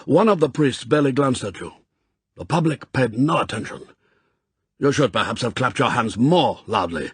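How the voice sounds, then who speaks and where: A man's voice: medium pitch, animated, normal speed, breathy edge, no room sound. A man voicing a proud Japanese spymaster in an audiobook, formal and courtly, zealous and sternly gracious. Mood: instructive. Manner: formal, stilted, courtly phrasing.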